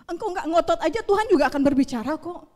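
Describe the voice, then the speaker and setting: High-voiced woman preaching in a reverberant hall. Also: expressive, fast. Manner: swings between loud urging and hushed, near-whispered prayer. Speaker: youth service preacher. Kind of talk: sermon.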